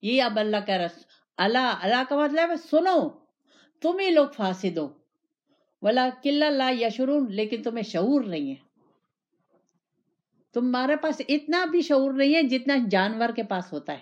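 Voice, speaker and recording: A woman's voice: fairly high pitch, sing-song. A woman giving an Islamic sermon, repeating phrases and asking rhetorical questions in the first person. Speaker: religious teacher. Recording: dull lo-fi recording.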